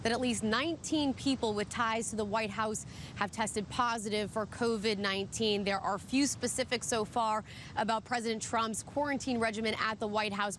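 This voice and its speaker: A woman's voice: medium pitch, fairly even intonation, moderate pace, fairly bright tone, a little hiss or hum. A woman with an American accent delivering a live television news report as a field reporter.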